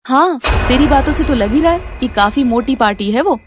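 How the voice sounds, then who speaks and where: A woman voicing a teasing, scheming mother-in-law in an animated story. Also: sits high, normal speed, music in the background.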